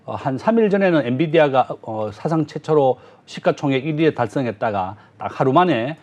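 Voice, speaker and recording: A man, a business professor, giving measured economic commentary as a guest, with frequent filler pauses. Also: medium pitch, lively intonation, darkish tone, lo-fi sound.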